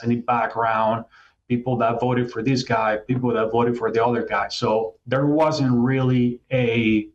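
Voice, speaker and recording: A middle-aged man from Venezuela, earnestly telling his life story as a guest in an interview. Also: mid-range voice. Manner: earnest, explanatory, reflective. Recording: slightly dull lo-fi sound.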